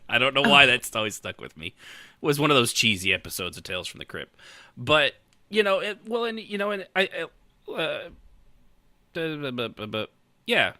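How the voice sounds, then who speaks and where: A man's voice: medium pitch, big pitch swings, normal speed, pauses often, sharp tone, dry recording. A man hosting a casual podcast discussion, rambling and stammering as he works through his thoughts, swearing casually. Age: 30s or 40s. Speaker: podcast host. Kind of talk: casual panel chat about online roleplay.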